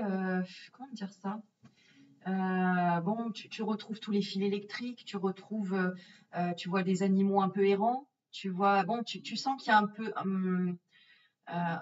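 Chatty French woman telling a travel story. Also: mid-range voice. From France. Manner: chatty, lively, many fillers and acted-out asides. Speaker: vlogger. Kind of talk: casual storytelling. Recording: distant, dull lo-fi sound.

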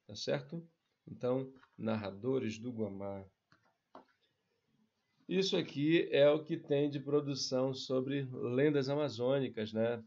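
A man's voice: medium pitch, creaky, muffled recording. A man in his forties from Pará, Brazil, casually presenting his books to camera from a home study, with frequent tag questions. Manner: chatty, frequent tag questions, warm asides. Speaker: author and literature researcher. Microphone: small desk mic in front.

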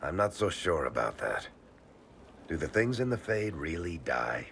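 An actor playing a wry, worldly, guilt-laden dwarf storyteller in a video game, speaking in a dramatic, conversational way. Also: male voice, deep voice, very animated, measured pace, gravelly, fairly bright tone, slight background noise, full character voice. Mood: troubled, guilty. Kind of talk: video game dialogue acting.

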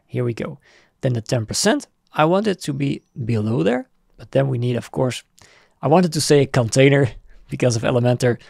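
Man, tutorial host, casual upbeat walkthrough, husky, lively pitch, dry close sound. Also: no echo. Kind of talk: screen-recorded software tutorial.

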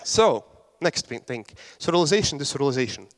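A young Latvian conference speaker talks briskly in a medium-pitched, sing-song voice, keeping his technical talk casual and jokey. He uses fillers and restarts, and the big hall he's standing in gives the audio reverb.

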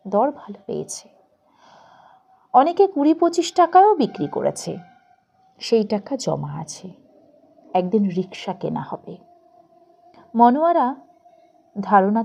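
A woman reading a literary story as an expressive audiobook narrator. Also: medium pitch.

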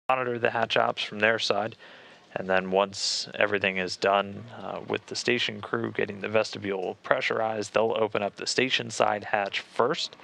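An American man giving live spaceflight commentary from mission control in a measured, matter-of-fact, procedural manner, like a space communicator. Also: on the low side, vocal fry, pushed and bright.

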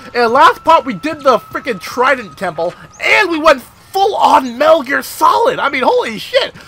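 Excitable young man with a lisp. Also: very high-pitched, normal speed, slight background noise. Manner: excitable, swears constantly, self-deprecating. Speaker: gaming video host. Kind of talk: casual let's play commentary.

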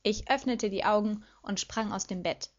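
A woman reading a fan fiction audiobook aloud as lively first-person storytelling. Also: mid-range voice, moderate pace. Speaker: audiobook reader. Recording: slightly dull lo-fi recording.

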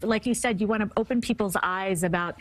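A woman anchors a studio morning show, prompting her guests with short questions. Her pitch sits in the middle. She is on a lapel mic. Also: a little fast. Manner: friendly prompting, frequent mm-hmm. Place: TV studio set.

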